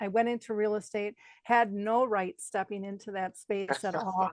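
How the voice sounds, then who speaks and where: Heard in a dry, close sound with no echo and a quiet background, a woman has an unremarkable speaking voice. Her pitch is fairly high, her intonation fairly even and her pace moderate. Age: 60s. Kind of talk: interview.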